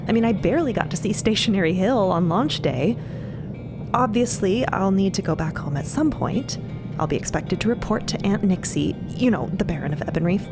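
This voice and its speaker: A woman's voice: medium pitch, animated, brisk, natural voice. Woman acting an earnest, eager young-spirited noblewoman. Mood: friendly, keen. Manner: chatty, tentative, sincere. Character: earnest, wistful, sheltered noblewoman eager to belong. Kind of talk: scripted audio fiction. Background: music.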